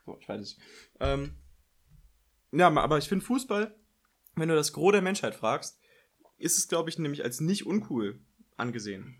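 A man's voice: on the high side, expressive. A young man co-hosting a podcast, chatting casually and teasing his friend. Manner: quick, joking, teasing. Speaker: podcast co-host. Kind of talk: casual chat.

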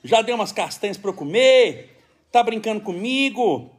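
A man with a Brazilian accent voicing his baby son for viewers, in a sing-song high baby talk. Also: lively intonation, normal speed. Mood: playful. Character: baby boy talking to viewers, cheerful.

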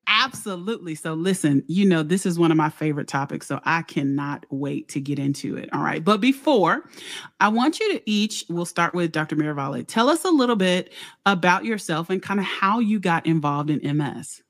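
A woman from Chicago hosting a chat show, energetic and chatty with some filler ums. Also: fairly low pitch, moderate pace. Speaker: show host and neurologist. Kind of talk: upbeat conversational hosting.

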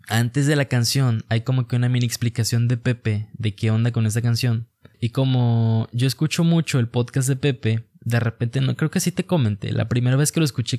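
Chatty young Mexican man, podcast host. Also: mid-range voice. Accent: Mexican Spanish. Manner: relaxed, chatty, laughs easily. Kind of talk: casual podcast chat.

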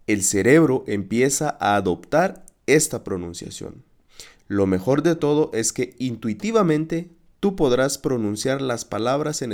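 A man hosting a podcast lesson as a Spanish teacher, speaking in a clear, encouraging, teacherly way. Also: mid-range voice, darkish tone.

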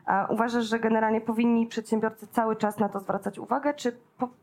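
A woman's voice: fairly high pitch, fairly even intonation, quick pace, a little mellow. A woman hosting a casual interview, asking questions in a conversational way and affirming with short sounds. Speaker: interviewer, host.

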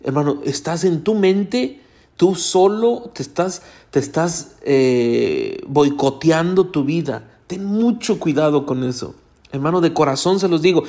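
A Hispanic pastor from Latin America preaches an earnest sermon, speaking directly to his congregation. His voice is fairly high in pitch with a dark tone.

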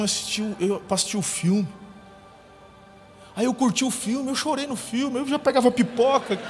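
A pastor with a high voice tells stories in his sermon, acting out the lines of the people in them. His voice rings through a large church hall with long reverb, and soft music plays faintly behind him. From Brazil. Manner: storytelling with acted-out quotes.

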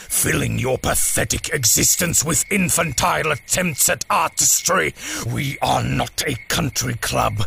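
Gravelly, imperious carnival villain. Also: male voice, a little high, fairly bright tone, slight background noise, full character voice. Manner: pompous, grandiloquent, commanding. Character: imperious, cruel master of a dark carnival. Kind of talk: dark audio drama villain acting.

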